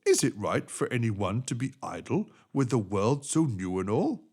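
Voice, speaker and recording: A man voicing an earnest, indignant horse in a storybook, complaining in drawn-out phrases. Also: mid-range voice, big pitch swings, darkish tone, breathy edge. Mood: indignant complaint.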